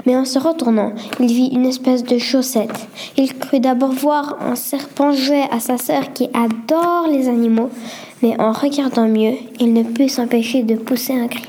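A woman reads a children's story aloud in a high voice with a dark, mellow tone. She keeps a steady reading pace and now and then stumbles over a word and corrects herself. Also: moderate pace, a little hiss or hum. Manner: steady reading with occasional slips.

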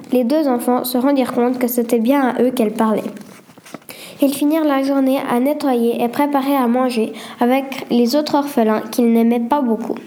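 A woman reads a children's story aloud in a high voice with a dark, mellow tone. She keeps a steady reading pace and now and then stumbles over a word and corrects herself. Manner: steady reading with occasional slips.

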